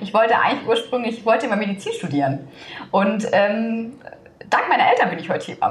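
A woman with a fairly high pitch speaks very fast but with long, frequent pauses, amid noticeable background noise and audible room echo. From eastern Germany, Upper Lusatia (Saxony). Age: 30s. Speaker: midwife. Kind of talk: casual interview. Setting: kitchen at home.

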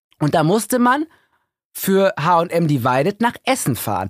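A man speaks at a very slow pace. The recording is dry and close, without any echo. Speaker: podcaster and TV talk show host. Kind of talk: interview.

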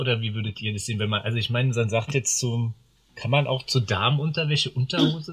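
A man's bright, sharp tone at a very fast pace, with lively intonation. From Berlin. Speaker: podcast co-host. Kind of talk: casual chat.

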